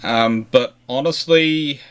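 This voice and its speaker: A man's voice: medium pitch, slow pace, clean tone. A man hosting a casual history question-and-answer chat, rambling and often circling back to rephrase himself. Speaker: host answering viewer questions.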